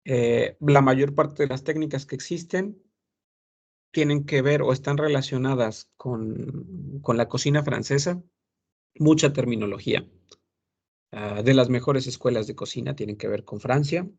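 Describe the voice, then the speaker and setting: A man teaching a class, explaining slowly and repeating example phrases aloud. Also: mid-range voice, creaky, darkish tone, highs cut off. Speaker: French teacher for gastronomy students. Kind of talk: classroom lecture.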